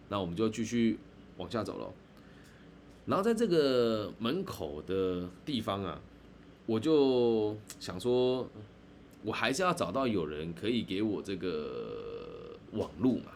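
A Taiwanese man hosts a live-streamed podcast and tells a personal story. His voice sits fairly low, but his intonation swings up and down a lot as he drags out phrases and tacks on particles. There is a faint hiss behind him. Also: very animated. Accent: Taiwanese Mandarin. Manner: chatty, drawn-out phrases with frequent sentence-final particles. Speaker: podcast host.

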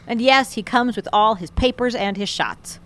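A woman playing a feisty, stubborn older mother, brisk, teasing and deadpan, in a naturalistic audio drama. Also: on the high side, lightly acted.

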